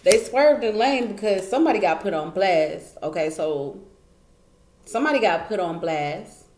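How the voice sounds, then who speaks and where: A woman gives a casual tarot reading at a wooden table indoors, chatty and emphatic, repeating phrases and laughing often. Her mid-range voice is expressive and a little mellow at a moderate pace, while the camera points down at the table with her off frame, capturing an echoey room and faint noise.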